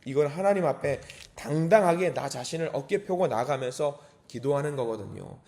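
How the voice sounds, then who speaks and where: A man's voice: on the high side, lively intonation, moderate pace, dark tone. A man preaching a dawn sermon in a church, earnest, asking rhetorical questions and acting out prayers. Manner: acts out quoted prayers and a child's voice. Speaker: pastor. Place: church sanctuary.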